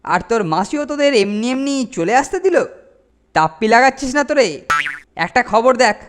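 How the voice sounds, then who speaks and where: A woman's voice: fairly high pitch, animated, brisk, natural voice. A woman voicing a prying, sceptical schoolmate in a comic cartoon, needling and smug.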